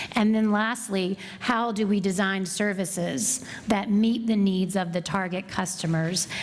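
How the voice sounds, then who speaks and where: A woman's medium-pitched voice at a fairly slow pace, with fairly even intonation, very even loudness, audible room echo, and noticeable background noise. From US South, South Carolina (Columbia). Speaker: library director. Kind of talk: conference talk. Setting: conference audience. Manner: slow, deliberate.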